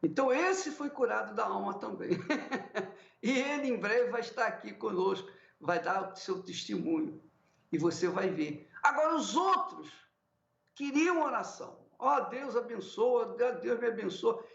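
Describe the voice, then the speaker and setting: A man's voice: sits high, unhurried, gravelly. A man, a bishop, preaching emphatically in a televised sermon and repeating his key phrases. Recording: echoey, dull lo-fi sound.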